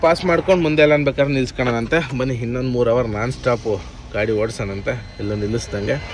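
Noticeable background noise sits behind the voice. A man at a medium pitch speaks with lively intonation. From Karnataka, Chitradurga region. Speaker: truck driver vlogger. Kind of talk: casual vlog narration.

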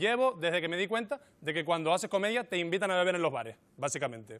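A man with a high pitch speaks in a Canarian accent. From Tenerife, Canary Islands; Canary Islands. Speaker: comedian; stand-up comedian. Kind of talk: stand-up. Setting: stage with audience. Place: studio. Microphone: handheld.

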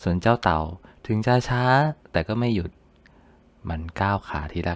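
With pitch that varies in an ordinary way, a male speaker uses an ordinary speaking voice. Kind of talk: ASMR boyfriend roleplay bedtime story. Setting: close-mic ASMR. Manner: soft, intimate, gentle.

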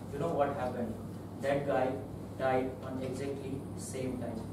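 A man's voice carries audible room echo alongside noticeable background noise. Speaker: meeting host introducing speaker. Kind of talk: speaker introduction. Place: meeting room. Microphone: camera far.

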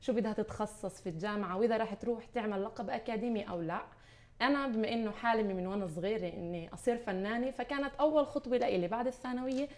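Speaking at a fairly quick pace with hardly any pauses, a woman uses ordinary pitch variation at a fairly high pitch. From Israel. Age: 20s. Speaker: visual artist and art teacher; art teacher. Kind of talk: TV interview. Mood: friendly, smiling, animated. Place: studio.

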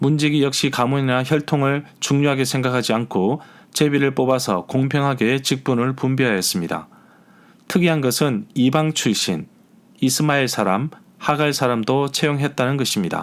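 A man with a plain, everyday voice talks at a medium pitch and a moderate pace. His loudness stays very even, with ordinary pitch variation. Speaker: pastor. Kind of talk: scripted devotional reading. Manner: formal.

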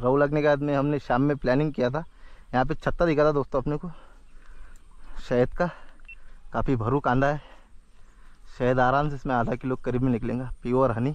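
A man's monotone, flat delivery at a moderate pace, with long, frequent pauses, a quiet background and a dry sound with no echo. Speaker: angler vlogger. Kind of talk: casual vlog commentary. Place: waterside. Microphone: phone near.

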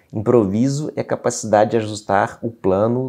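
This man has a dark, mellow tone at a medium pitch. His intonation is fairly even and his pace moderate. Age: 50s. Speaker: amateur runner vlogger. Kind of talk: vlog monologue.

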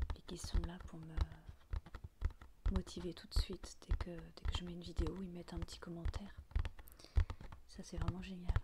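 Soft-spoken delivery at a moderate pace, with big swings in loudness, long, frequent pauses and loud background noise. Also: woman. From France. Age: 30s. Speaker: ASMR creator. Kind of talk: casual talk to camera. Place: home room. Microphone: phone near.

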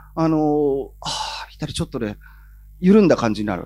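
The sound is dry, with no echo at all. A man speaks with very wide pitch swings. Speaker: ghost-story teller. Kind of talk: spoken ghost story. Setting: studio. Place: studio. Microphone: handheld.

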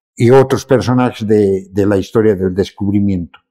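A man's voice has a dark, mellow tone, and the background is quiet. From Bolivia, Tupiza (Potosí); Potosí, Bolivia. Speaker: retired rural teacher and writer; retired rural teacher. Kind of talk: interview. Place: studio. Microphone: lapel.

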